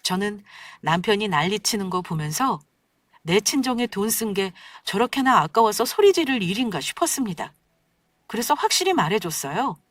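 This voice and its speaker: A woman narrating a first-person story script in a calm, matter-of-fact way. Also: mid-range voice, moderate pace, no room sound.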